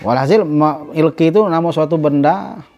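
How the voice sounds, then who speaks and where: A man teaching a religious study class, reading Arabic phrases slowly, then explaining them with many halting self-corrections and a repeated "ya". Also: on the high side, a little mellow. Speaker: ustadz teaching a kitab class. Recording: dull lo-fi recording.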